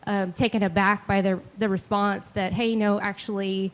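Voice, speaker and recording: A woman's voice: mid-range voice, little pitch movement, normal speed. A woman in the audience sharing an earnest, heartfelt reflection. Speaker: audience member. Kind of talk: spoken comment from the audience.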